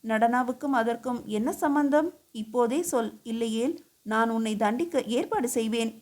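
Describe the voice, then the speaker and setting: A woman voicing a gentle but stern young princess who speaks in a commanding, scolding way, read from a storybook. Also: fairly high pitch, moderate pace, close to an everyday voice.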